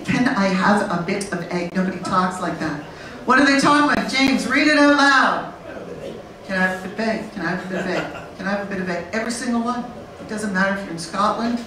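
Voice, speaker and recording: A woman's voice: medium pitch, fairly bright tone, slight background noise. Emphatic woman speaking in an echoey room. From Canada. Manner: emphatic, repeats points, rhetorical questions. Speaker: conference speaker on teaching English. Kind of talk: animated conference talk. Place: conference room. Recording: echoey room, far from mic.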